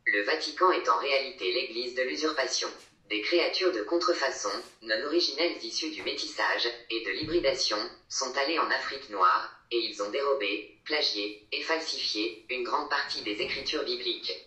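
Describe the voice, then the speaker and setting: Man, documentary narration, declamatory, very sharp bright voice, echoey, distant. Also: mid-range voice, moderate pace. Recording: roomy clip played from a distance.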